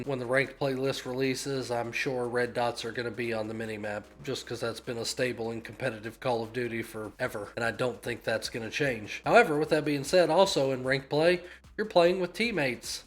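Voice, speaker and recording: Nasal stuffy-voiced man ranting about games. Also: medium pitch. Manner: blunt, swears often, dismissive of complainers. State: nasal from a cold. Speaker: gaming YouTuber. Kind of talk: casual opinion rant.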